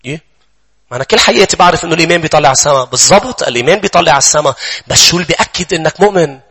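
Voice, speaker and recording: A man's voice: a little high, lively intonation, very fast, sharp tone, husky. A man preaching a sermon with a Lebanese accent, emphatic and urgent as he addresses his congregation. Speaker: pastor.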